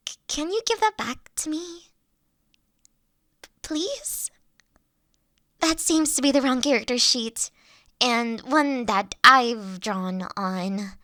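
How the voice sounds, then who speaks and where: A woman acts out an adorkable young female dragon in an audio roleplay. The voice is high and unhurried, recorded close and dry. She is nerdy, eager and anxious, rambling away and tripping over words when flustered. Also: fairly bright tone, no room sound. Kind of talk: roleplay audio drama addressed to the listener.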